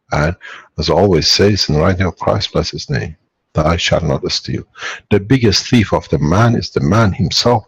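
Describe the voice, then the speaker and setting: A man with a low, husky voice leads a spiritual workshop and takes callers, speaking in a rambling, insistent way and often cutting in. The recording is dry and lo-fi.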